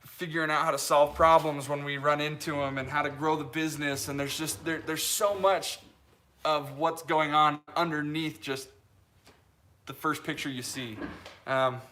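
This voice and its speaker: A man in his late twenties from Utah talks through a casual live stream, answering viewer comments as they come. His voice sits a little high and sounds bright. He rambles with plenty of fillers and restarts and laughs easily. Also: steady tone, moderate pace. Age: 20s. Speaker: leatherworker hosting a live stream.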